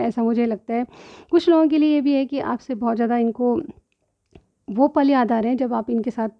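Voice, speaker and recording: Chatty woman tarot reader, high voice. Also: gravelly, highs cut off. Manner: chatty, keeps asking "theek hai?". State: slightly sore throat, clears it often. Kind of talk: direct-to-viewer tarot reading.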